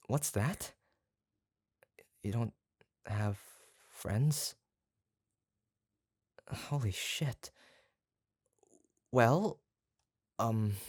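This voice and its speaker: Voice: mid-range voice, no echo, studio quality, exaggerated voice. A performer playing an obsessive, lovestruck yandere kidnapper in a roleplay audio drama, hesitant and rambling as they dote on the listener. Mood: surprised, possessive. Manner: hesitant, rambling, soft-spoken menace with nervous chuckles.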